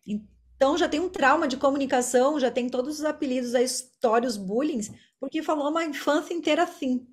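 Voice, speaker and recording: A Brazilian speech therapist, appearing as an interview guest, explains her work in a talkative, conversational manner. Her voice sits high, she speaks fairly quickly, and her accent is Brazilian Portuguese.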